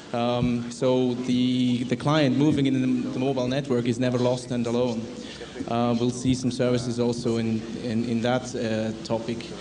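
A man's flat, monotone voice at a moderate pace, very even in loudness, with noticeable background noise. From Switzerland. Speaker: management consultant; conference panelist. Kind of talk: conference presentation. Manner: halting, many fillers. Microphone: podium.

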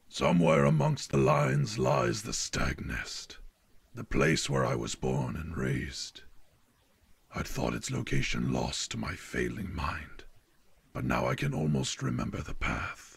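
In a put-on character voice, a man growls out raspy words at a very deep, low pitch. His pace is moderate. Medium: machinima. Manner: wistful, then disdainful.

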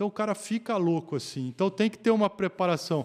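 The background stays quiet. A man's words come out at a very fast pace. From Brazil. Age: 40s. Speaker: former professional tennis player; guest. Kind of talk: casual chat. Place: studio. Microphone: studio mic.

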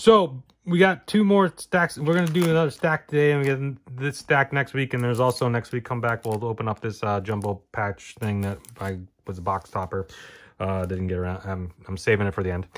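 Talking at a fairly quick pace, a man's voice makes very wide pitch swings. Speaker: card collector vlogger. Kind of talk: casual vlog chat.

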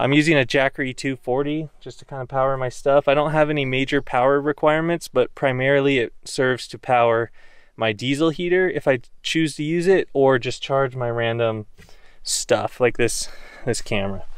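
A man speaks at a moderate pace with ordinary pitch variation. The sound is dry with no echo, and the background is quiet. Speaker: camping vlogger. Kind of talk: casual vlog chat. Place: open country. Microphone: phone near.

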